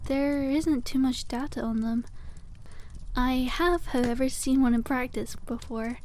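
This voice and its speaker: A woman playing a cute, cheerful young witch who keeps a dragon egg shop, speaking softly and politely in an ASMR roleplay as she gently pitches her wares to a customer. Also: a little slow, a little hiss or hum. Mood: informative, proud. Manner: gentle sales patter, quaint polite wording. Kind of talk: soft-spoken ASMR roleplay, one-sided conversation with a customer.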